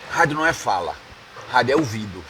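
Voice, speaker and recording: A man's voice: medium pitch, very animated, quick pace, bright, forceful tone, a little hiss or hum. A man, a radio producer, telling stories in a casual bar-table interview, laughing often and tagging lines with a questioning "right?". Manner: chatty storyteller, laughs often, repeats "né?". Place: bar, indoors.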